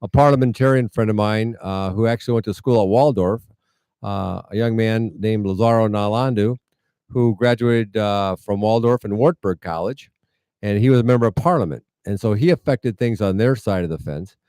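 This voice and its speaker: A man's voice: fairly low pitch, normal speed, dark tone, clear, resonant tone, dry recording. A middle-aged man with an American Midwestern accent, telling a story earnestly and with wry humor as an interview guest. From United States, rural Iowa. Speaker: interview guest, medical mission founder. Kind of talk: conversational storytelling.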